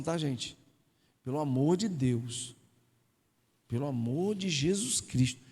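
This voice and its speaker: High, gravelly preacher in a reverberant hall. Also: male voice. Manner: lively, joking preacher voice. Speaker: pastor. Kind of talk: sermon teaching. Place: church hall.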